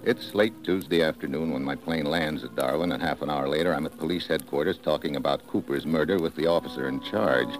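An actor playing a tough, wisecracking American government agent in a 1950s radio drama, talking in clipped slang. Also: male voice, extremely low pitch, fairly quick, few pauses, rough recording. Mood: hard-boiled, wry. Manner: clipped, slangy, hard-boiled. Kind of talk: 1950s radio drama, hard-boiled narration. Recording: vintage 1950s radio broadcast with music.

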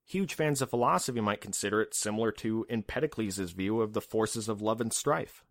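A man's voice: lowish voice, brisk, dry recording. Wry conversational man, dry sound. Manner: conversational, wry, lots of asides. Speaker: podcast host. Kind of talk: casual storytelling narration.

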